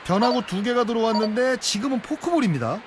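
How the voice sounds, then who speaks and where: A man's voice: very high voice, animated, quick pace, noisy background. A man voicing an analytical baseball expert commentator in a video game, explaining plays conversationally.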